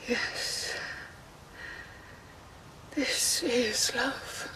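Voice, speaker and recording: Romantic young lady, very slow delivery, slightly high voice, yearning, poetic, classical radio play with background noise. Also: pushed and bright, full character voice. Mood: rapturous. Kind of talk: classical radio drama acting.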